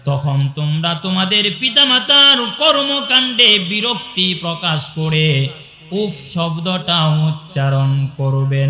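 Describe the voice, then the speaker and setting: A man with a Bangladeshi Bengali accent delivers a waz sermon, moving from slow, drawn-out chanted recitation into preaching that calls out to the crowd. His voice sits high and sounds piercingly bright. Long reverb from a large hall rings around every phrase. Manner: chants Arabic verses in a slow singsong, then preaches with rising calls to the crowd.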